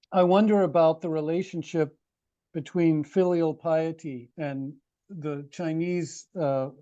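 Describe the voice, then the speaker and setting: A man asking a long, thoughtful question at a seminar, halting often with ums and uhs. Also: a little high, dark tone. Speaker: audience member asking a question. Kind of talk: hesitant spoken question at a seminar. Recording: dull lo-fi room recording.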